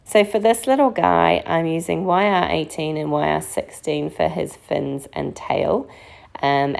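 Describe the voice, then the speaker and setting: A woman with a croaky voice from a recent illness, narrating a casual card-making tutorial in a relaxed, chatty way. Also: deep voice. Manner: relaxed, chatty, frequent ums. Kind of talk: casual craft tutorial voice-over.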